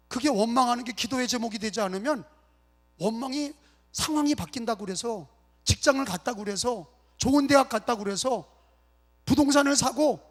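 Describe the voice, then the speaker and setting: A man's voice: extremely high pitch, a bit bright. A male pastor preaching a sermon in a church, in a rhythmic, repetitive style that builds to exhortation. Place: church sanctuary. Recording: long reverb of a church hall.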